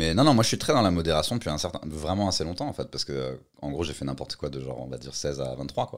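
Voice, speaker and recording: A man with a very deep, low pitch and vocal fry speaks at a very fast pace, using ordinary pitch variation. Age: 30s. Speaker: stand-up comedian. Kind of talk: casual chat.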